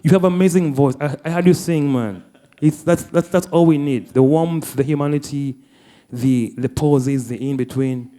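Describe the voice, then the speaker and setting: A man's voice: a little high, moderate pace, warm tone. A man on a panel speaking emphatically and casually to a fellow speaker. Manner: emphatic, casual, addressing a peer as bro.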